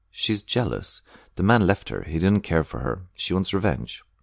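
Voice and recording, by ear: A put-on character voice with vocal fry moves through big pitch swings at a moderate pace. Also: man, low pitch for a man.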